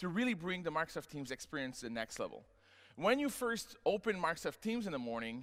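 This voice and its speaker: Talking at a very fast pace with a French accent, a man uses a high pitch and very wide pitch swings. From Quebec, Montreal. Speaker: tech conference speaker, software product lead. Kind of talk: conference presentation. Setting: stage with audience.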